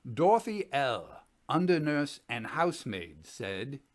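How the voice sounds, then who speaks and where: A man in his sixties playing a gentlemanly Edwardian scientist, formally reading out his chronicle of a ghost investigation. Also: medium pitch. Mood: formal, assured. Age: 60s. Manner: formal, measured, expressive. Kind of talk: dramatic reading of a written chronicle. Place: indoors, home study.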